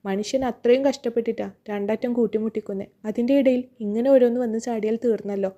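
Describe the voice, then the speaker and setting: A woman's voice: a little high, steady tone, fast talker, dark tone, lo-fi sound, natural voice. A woman reading the lines of an angry, scornful young man in an audiobook, snapping bitter reproaches. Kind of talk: audiobook character voice.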